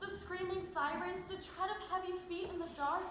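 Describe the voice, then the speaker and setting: A young woman plays a steadfast girl who survived the ghetto, in a stage drama. Her voice is high. It rings through a very echoey hall with clear background noise. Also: fairly even intonation, moderate pace, fairly bright tone. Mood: haunted, solemn. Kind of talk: stage play acting, memoir narration.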